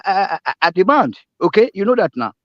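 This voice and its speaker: A man's voice: high-pitched, big pitch swings, fairly quick, no echo. A man with a Nigerian, Pidgin-inflected accent chats in a live audio room, rambling, laughing and repeating himself. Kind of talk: casual live-room chat. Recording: dull lo-fi dry stream audio.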